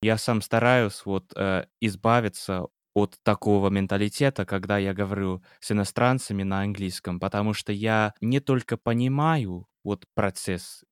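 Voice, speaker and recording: A man's voice: fairly low pitch, clear, resonant tone, no room sound, clean studio sound. An Englishman who co-hosts a podcast and teaches the language, speaking with an English accent in a hesitant casual chat. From England. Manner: hesitant, many pauses and restarts. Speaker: podcast co-host, Russian teacher.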